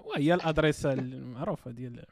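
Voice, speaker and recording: A man's voice: medium pitch, fast talker, creaky, crowd noise. A man with a Moroccan Arabic accent chatting casually as a podcast co-host, telling jokey anecdotes and mixing in French words.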